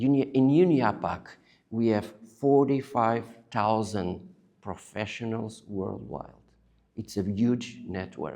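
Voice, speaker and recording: Speaking in a Portuguese accent, a man uses a medium pitch and a dark, mellow tone with ordinary pitch variation. His pace is very slow, with long, frequent pauses. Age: 60s. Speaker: business leader. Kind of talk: interview. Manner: halting.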